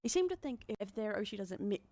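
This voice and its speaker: A woman's voice: medium pitch, very animated, fast, dark tone. A woman with an Australian accent giving casual, rambling streaming commentary.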